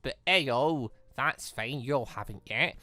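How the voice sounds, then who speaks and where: A man commentates a video game in a casual, rambling way, often cutting himself off. His delivery is bright and very animated, recorded close and dry. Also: medium pitch, unhurried, dry recording. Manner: rambling, self-interrupting, playful sound effects. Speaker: gaming video host. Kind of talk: casual let's-play commentary, reading dialogue aloud.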